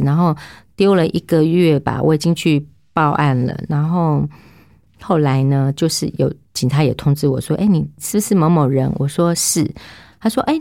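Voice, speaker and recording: A middle-aged woman telling her testimony in an interview, animated and acting out what people said. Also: sits low, dry recording, studio quality. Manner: lively, acts out quoted speech. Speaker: interview guest giving testimony. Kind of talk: animated storytelling.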